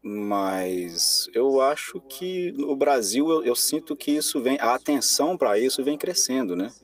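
A man, a musician guest, joining by video call on a headset, speaking slowly as he thinks aloud. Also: medium pitch, lively intonation.

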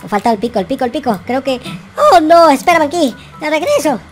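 A performer doing a young, mischievous noob game character with a high, swooping voice. He is excitable and slangy, throwing out exclamations in a Minecraft roleplay, with music behind him. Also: fast. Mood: bossy, hurried. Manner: slangy, exclamatory, sprinkles in English curses.

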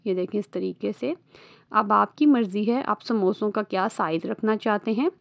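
Lahori woman doing a cooking voiceover, gravelly voice, dry and kinda muffled. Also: mid-range voice, moderate pace, dry recording. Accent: Lahori Urdu-Punjabi. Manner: patient step-by-step instructing, often checking in with listeners. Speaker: cooking channel host. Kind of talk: voice-over cooking tutorial. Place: voice-over recorded apart from the kitchen footage.

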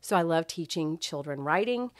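A middle-aged woman, telling stories as a podcast guest in a chatty, expressive way. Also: low voice, normal speed, dry recording, studio quality. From Texas, US. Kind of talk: casual chat.

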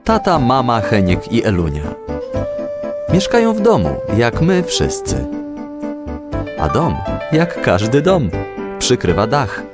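A man narrating a scripted children's story as an expressive, didactic storyteller. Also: medium pitch, slow pace, long pauses, loud music behind the voice.

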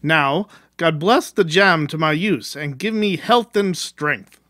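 A woman's voice: low voice, slow, a bit bright, no room sound, studio quality. A woman playing a boisterous, cocky little male tailor in a storybook audio drama, theatrical and old-fashioned in speech. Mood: content. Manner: boastful, theatrical, archaic speech.

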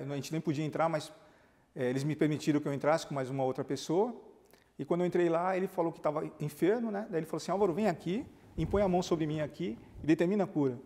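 A man's voice: a little high, long reverb tail. A man, a pastor, telling his testimony in a TV interview, acting out quoted dialogue as he goes. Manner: animated storytelling, acts out quoted dialogue.

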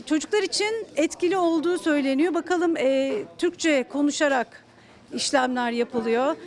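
A woman with a clearly high voice and a strong fry edge explains things as an instructor. Her interview delivery is semi-formal, with hesitant phrasing. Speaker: culinary instructor.

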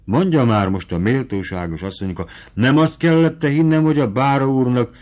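A man's voice: mid-range voice, darkish tone, lightly acted. A man voicing a timid, servile middle-aged valet who talks in a hesitant, evasive way. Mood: fretful.

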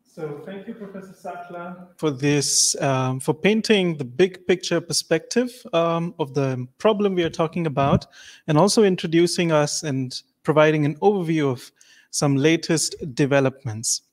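A man's voice: fairly high pitch, moderate pace. A young man moderating a conference session in a lecture hall, thanking the speaker and announcing a break in a formal way.

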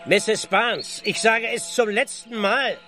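An actor playing a stern, impatient village constable in a radio play, officious and brusque, with speech. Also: male voice, sits high, takes it slowly, bright, forceful tone, faint music behind, exaggerated voice. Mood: stern, insistent. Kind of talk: German radio play acting.

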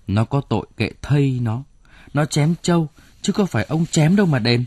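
A man's voice: medium pitch, animated, normal speed, mellow, breathy edge, dry recording. A man voicing a distraught aging village mother in an audiobook, his voice raised and pleading. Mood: indignant. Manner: wailing, pleading.

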